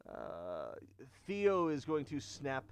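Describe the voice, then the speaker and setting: A man narrating as game master of a tabletop game, animated and quick to laugh. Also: medium pitch, vocal fry, smooth.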